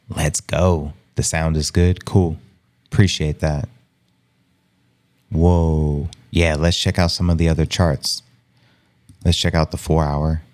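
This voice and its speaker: Very deep, hushed male stream host. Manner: hushed and low-key, chuckling often. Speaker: livestream host. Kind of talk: casual live market commentary.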